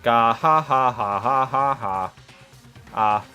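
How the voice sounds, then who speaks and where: A man voicing a brash, hulking male robot with slow, booming talk and bellowing laughs. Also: sharp tone, soft background music. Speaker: let's play commentator.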